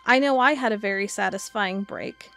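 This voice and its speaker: A woman playing an earnest cryptid blogger, telling a first-person account in a measured storytelling way for an audio drama. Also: mid-range voice, gravelly, fairly bright tone, soft background music. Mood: earnest, reflective. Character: earnest female cryptid blogger, awed amateur monster hunter.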